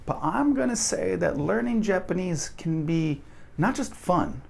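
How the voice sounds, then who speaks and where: A man's voice: high voice, lively intonation, a little slow, vocal fry. A man talking casually to camera, rambling with lots of restarts and fillers. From United States. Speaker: language vlogger.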